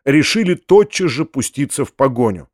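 A man reading a classic novel aloud in steady, expressive scripted narration. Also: mid-range voice, normal speed, no room sound, clean studio sound. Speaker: audiobook narrator.

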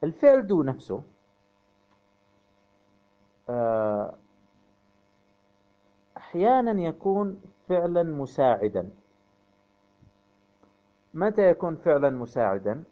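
Slow-paced male teacher on a tinny line. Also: a little high, sing-song. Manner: repeats each example phrase slowly for learners. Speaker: English teacher. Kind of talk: slow language lesson. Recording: tinny phone-like audio with mains hum.

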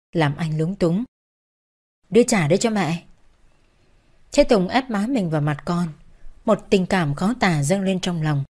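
A woman's voice: lowish voice, a little mellow. A woman reading a novel aloud as narrator, taking every role in the same plain voice.

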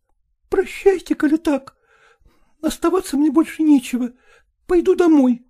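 A woman's voice: high voice, unhurried, mellow, pitched above the performer's own voice. A man voicing a young married woman, desperate and pleading in tears, reading a storybook. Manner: pleading, insistent, tearful.

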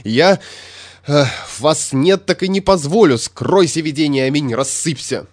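A man voicing a hysterical, puffed-up little male statistician who shouts and rants indignantly. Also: measured pace, no room sound, clean studio sound. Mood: furious. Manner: shrill, shouting, indignant ranting.

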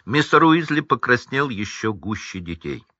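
A man reading a children's fantasy book aloud, narrating with lively, measured expression. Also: medium pitch, no room sound, muffled recording. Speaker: audiobook reader.

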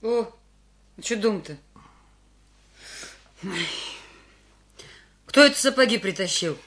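A woman's voice: medium pitch, animated, takes it slowly, fairly bright tone. An actress playing a middle-aged housewife and mother who questions everyone sharply and suspiciously in a radio play.

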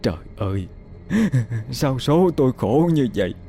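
A man voicing a sharp-tongued older mother in a horror story, wailing and frantic. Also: animated, measured pace, a little hiss or hum. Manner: wailing, shrill.

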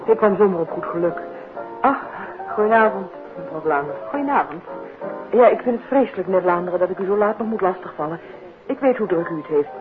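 An actress playing a polite, earnest, apologetic countess in a 1950s radio drama. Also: female voice, lowish voice, expressive, quick pace, close to an everyday voice. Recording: narrow 1950s radio recording with music.

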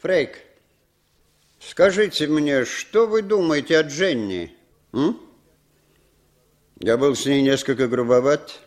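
A cynical American intelligence chief in a vintage radio drama. His tone is dry and ironic, with a calm, commanding edge. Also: on the high side, slow pace, long pauses. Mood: probing. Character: cynical older male American spymaster. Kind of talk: 1960s Soviet radio play acting.

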